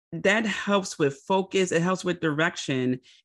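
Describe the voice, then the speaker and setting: A man's raised, projected voice at a high pitch, bright and sharp in tone, very slow, with lively intonation. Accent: American. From Philadelphia, US. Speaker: spiritual podcast host. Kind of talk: solo podcast monologue.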